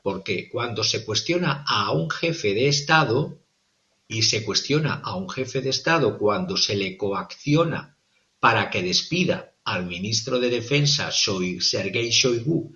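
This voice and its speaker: A male political analyst giving formal, methodical commentary, often pausing on "eh" between points. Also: mid-range voice, lively intonation, bright, forceful tone, lo-fi sound. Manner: formal and methodical, with frequent hesitations.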